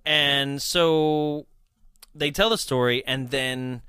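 A man's voice: mid-range voice, slow pace, pushed and bright, clean tone, no echo, clean studio sound. A man chatting casually about a movie, laughing often and trailing off mid-thought.

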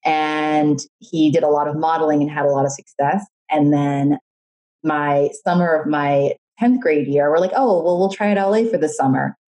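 Young woman guest, low and mellow, chatty storyteller who laughs often. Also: steady tone, moderate pace, poor audio. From Jamaica and Florida. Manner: rambling storytelling with frequent laughs. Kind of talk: casual interview.

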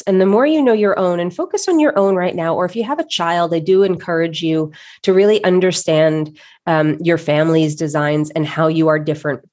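A woman in her thirties hosts a solo podcast with a slightly husky, lower-pitched voice as she gets over an illness. She talks with eager, conversational energy, often restarting her sentences mid-thought. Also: darkish tone. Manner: enthusiastic, conversational, frequent restarts. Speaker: podcast host.

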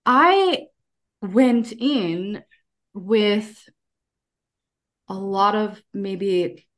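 A woman with an American accent chatting casually as a podcast guest, telling personal stories in an animated way. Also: mid-range voice, very slow. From United States. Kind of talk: casual conversational storytelling.

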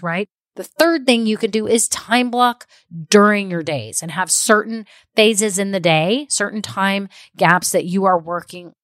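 A woman's voice: medium pitch, dry recording, studio quality. A middle-aged woman giving upbeat, encouraging, tidy step-by-step advice as a casual vlog host. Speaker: host of a business advice show.

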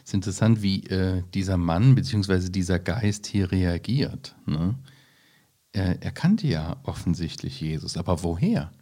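Brief: male co-host, lowish voice, reflective, conversational Bible talk. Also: animated, normal speed, warm tone. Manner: thoughtful, reflective, quotes scripture. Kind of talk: casual Bible discussion.

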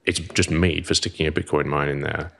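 A man's voice: rumbling low, level tone, brisk, creaky, a bit bright. A middle-aged man with a Zimbabwean accent telling a long story as a podcast guest, rambling and self-deprecating, swearing freely. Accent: Zimbabwean English. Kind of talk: casual storytelling.

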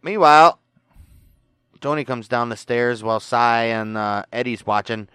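A man's voice: medium pitch, measured pace, bright, forceful tone, smooth, no room sound. A man co-hosting a casual recap chat, talking loosely and profanely as he retells scenes. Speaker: podcast co-host.

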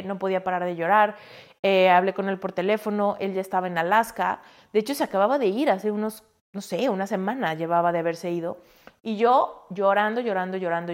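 A spiritual coach with a Mexican Spanish accent and a medium-pitched voice shares a personal story, candid and expressive, addressing the listener directly.

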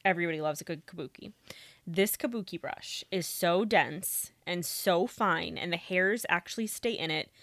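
A woman's voice: on the low side, normal speed, a bit bright, no echo. A woman co-hosting a casual chat, gushing with enthusiasm over her favorite finds. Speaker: podcast co-host.

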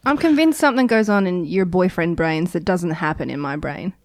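A woman's voice: lowish voice, fairly quick, dry recording, studio quality. A woman in a casual comedic podcast chat, laughing and chatty.

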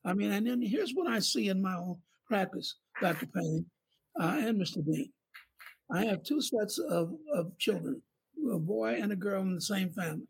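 Gravelly high-voiced man, halting host. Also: animated, poor audio. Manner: halting, with many fillers and restarts. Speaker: physician and show host. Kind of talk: panel discussion.

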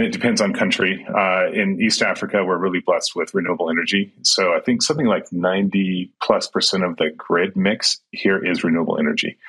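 Husky deep-voiced entrepreneur. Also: male voice, a bit bright, low-quality recording. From Sudan and Kenya. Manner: thoughtful, many fillers and restarts. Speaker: tech entrepreneur guest. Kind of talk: casual interview answers.

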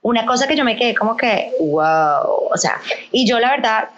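A husky-voiced woman, chatting casually and telling stories with lively energy as she code-switches into English. The recording sounds somewhat dull and lo-fi. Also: on the high side, moderate pace. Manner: animated storytelling, switching between Spanish and English. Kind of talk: casual chat.

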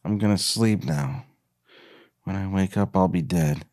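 A man's voice: low-pitched, measured pace, darkish tone, dry recording, clean studio sound. A man playing a despairing, melodramatic teenage boy in an amateur script read. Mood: gloomy, resigned. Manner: melodramatic, mopey. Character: despairing, suicidal teenage boy in a mopey film. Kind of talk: amateur screenplay table read.

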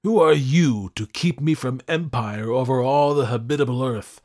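A man's voice: mid-range voice, moderate pace, a little mellow, voice pushed up, natural voice. A man voicing a deluded, triumphant madman in an audiobook, with imperious, furious, emphatic delivery. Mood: grandiose rage. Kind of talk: dramatic audiobook character acting.

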